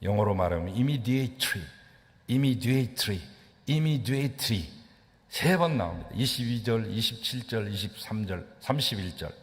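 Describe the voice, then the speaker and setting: Man, pastor, dramatic sermon, sweeping pitch leaps, echoing sanctuary. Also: expressive, normal speed, hardly any pauses. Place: church sanctuary. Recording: long church reverb.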